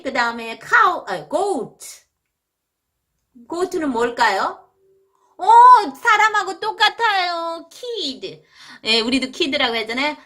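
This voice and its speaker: A Korean woman teaching English vocabulary in a casual video lesson, jumping high to imitate animal sounds. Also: sharp tone.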